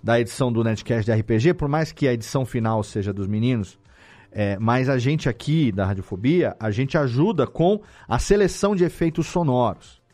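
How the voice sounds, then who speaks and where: A man's voice: medium pitch, expressive, moderate pace, dark tone. A man with a Brazilian Portuguese accent hosting a casual podcast, explaining things informally and often repeating words. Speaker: podcast host and audio drama editor.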